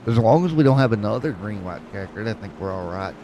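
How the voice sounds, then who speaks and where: A man's voice: on the low side, expressive, quick pace, warm tone, slight background noise, low-quality recording. A man calling an esports race, with jokes and rambling play-by-play. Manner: joking, rambling play-by-play with fillers. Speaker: race commentator.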